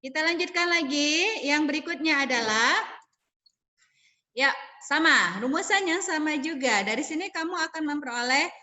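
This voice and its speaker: Lady teacher on a video call, high bright voice, calls on students by name. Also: lively intonation, moderate pace. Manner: calls on students by name, explains formulas step by step. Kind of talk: online class lecture.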